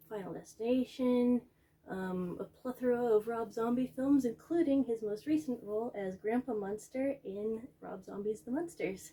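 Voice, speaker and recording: A woman speaks at a moderate pace in a fairly high pitch with an unremarkable speaking voice. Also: ordinary pitch variation. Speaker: podcast host. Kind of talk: podcast interview questions.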